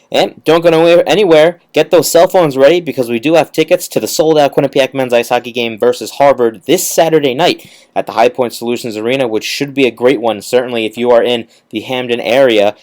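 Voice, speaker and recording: A man's voice: medium pitch, darkish tone. A young man hosting a college radio sports show, delivering a recap in an announcer style straight to listeners. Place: radio studio, alone.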